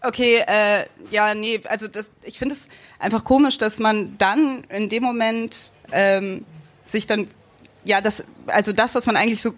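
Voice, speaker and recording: A young woman talks through her thoughts in a casual discussion, pausing often and restarting her sentences as she feels her way forward. Her voice sits at an ordinary middle pitch. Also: fairly even intonation, fairly bright tone. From Germany, raised bilingual. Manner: hesitant, searching for words with many fillers. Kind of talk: casual chat.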